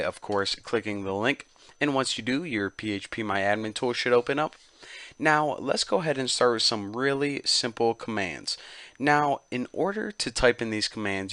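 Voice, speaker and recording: A man with a mid-range voice hosts a casual screen-recorded tutorial, staying relaxed and chatty. He leans on fillers like "go ahead" and "basically," and the recording is dry.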